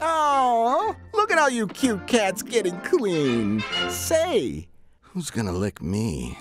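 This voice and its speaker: A man's cartoonish character voice at a very slow pace, with clear music in the background. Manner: cloying, sing-song.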